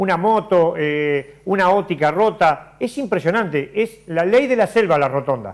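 A man's high-pitched voice at a fairly slow pace, lively in intonation with hardly any pauses, over a quiet background. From Argentina. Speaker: neighborhood community leader. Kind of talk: radio interview. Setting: studio.

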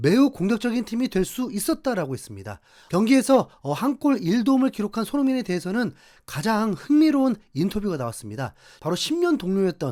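The speaker talks at a fairly quick pace. The recording is very clean, with a silent background. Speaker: sports YouTube commentator. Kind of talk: narrated news roundup. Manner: frequent filler hesitations.

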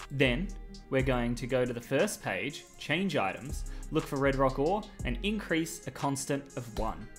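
The man talks at a moderate speed while faint music runs in the background. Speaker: game dev tutorial maker. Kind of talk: tutorial. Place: home room. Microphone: studio mic.

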